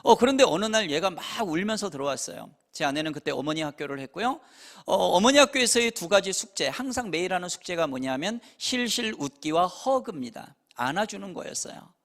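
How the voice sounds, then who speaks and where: A man's voice: high-pitched, a little fast. A man in his fifties, a pastor, preaching a revival sermon in a church and telling stories as he acts out parents and children. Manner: animated storytelling, acting out parents and children. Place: church sanctuary.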